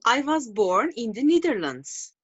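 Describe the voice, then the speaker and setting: Lively high woman student from Turkey. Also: measured pace, husky, no echo. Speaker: English student. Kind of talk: reading a practice dialogue. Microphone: video call. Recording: dull dry video call audio.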